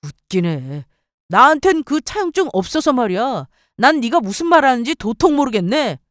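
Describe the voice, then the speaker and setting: A woman's voice: a little high, very animated, normal speed, dry recording, clean studio sound. A woman voicing a petty, defensive young husband who talks in a sneering, dismissive way.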